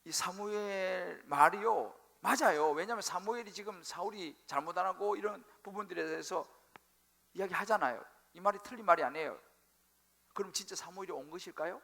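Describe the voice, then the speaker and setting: A male pastor preaching a sermon, telling the story with animated, acted-out quotes. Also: high voice, brisk, vocal fry. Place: church sanctuary.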